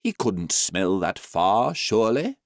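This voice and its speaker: Man acting an animated gentleman doctor. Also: fairly low pitch, takes it slowly, exaggerated voice. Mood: doubtful. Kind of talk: storybook character voice.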